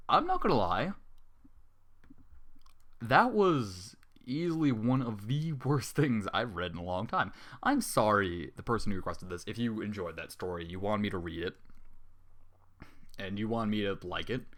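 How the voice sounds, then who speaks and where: A man's voice: on the low side, expressive, fairly bright tone. A man reading a fan story aloud and breaking off to vent his disgust, swearing openly as he goes. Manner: fast, exasperated, swears openly. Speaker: story reader. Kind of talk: dramatic reading with exasperated commentary.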